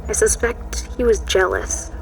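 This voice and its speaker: An actress playing a haunted, sleepless woman, narrating a dramatic first-person account in a measured, hushed, ominous way. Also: medium pitch, very animated, gravelly, rough recording. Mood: foreboding. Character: haunted, sleepless woman recounting an eerie night. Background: music.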